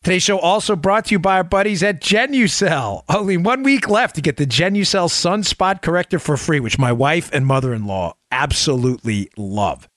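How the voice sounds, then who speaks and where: Man delivering a dry, close-miked infomercial pitch. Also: expressive, normal speed, few pauses, a bit bright, no room sound. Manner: casual, repetitive, emphatic selling with personal endorsement. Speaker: talk show host. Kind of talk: infomercial-style host-read ad pitch.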